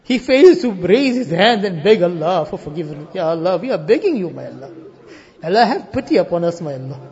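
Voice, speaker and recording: A Muslim preacher, a man, leading an emotional, pleading congregational prayer with repeated refrains, moving between hushed appeals and loud cries. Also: high-pitched, sing-song, fairly quick. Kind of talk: impassioned supplication with repeated refrains. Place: live religious gathering. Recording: muffled, dull lo-fi live recording.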